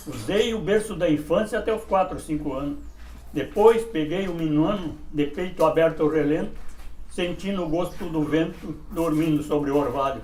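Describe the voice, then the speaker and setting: A man's voice: fairly high pitch, a little mellow, roomy sound, a little hiss or hum. A man with a southern Brazilian gaucho accent telling a short story and reciting verse. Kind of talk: documentary interview and verse recital.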